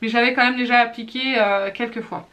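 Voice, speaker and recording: A woman's voice: fairly high pitch, fairly even intonation, fairly quick, sharp tone, muffled recording. Woman, 30s, casual beauty vlogger; chatty, self-mocking, raised voice. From France. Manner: chatty and self-teasing, many fillers and restarts. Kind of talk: casual product review vlog.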